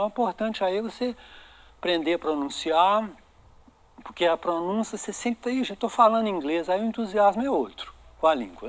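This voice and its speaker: A Brazilian man giving an online English lesson, his voice sitting slightly high. He reads each dialogue line slowly and clearly so his students can copy the sounds. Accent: Brazilian Portuguese. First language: Portuguese. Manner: reads English lines slowly for pronunciation practice. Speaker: English teacher.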